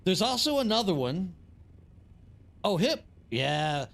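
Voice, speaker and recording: Gravelly yet a bit bright, his high-pitched voice is very animated but slow-paced. He's an American-accented live streamer from East Texas, rambling casually to viewers as he plays a game.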